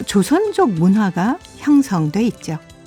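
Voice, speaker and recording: A woman's fairly high voice at a very slow pace with very wide pitch swings, over music in the background. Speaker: radio program host. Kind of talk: radio broadcast host talk.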